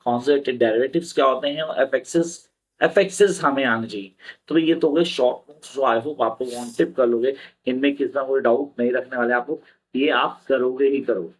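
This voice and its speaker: Indian tutor drilling exam points. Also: male voice, medium pitch, breathy edge, poor audio. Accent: Indian English. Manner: switches between slow repeated English terms and quick Hindi explanations. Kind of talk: exam-prep lesson.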